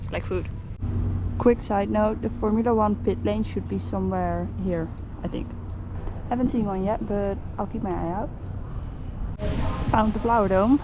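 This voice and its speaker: A woman's voice: mid-range voice, poor audio. A young woman from the Netherlands, chatty and upbeat, talking to her camera as she walks around outdoors on her travels. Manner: chatty, upbeat, self-deprecating. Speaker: travel vlogger. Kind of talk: casual travel vlog. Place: outdoors in a city. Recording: loud city noise outdoors.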